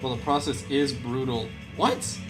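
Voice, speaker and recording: A man's voice: medium pitch, steady tone, a little slow, poor audio. A young man chatting casually, joking and drifting off on silly tangents. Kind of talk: casual streaming chat. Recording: guitar music clearly behind the voice.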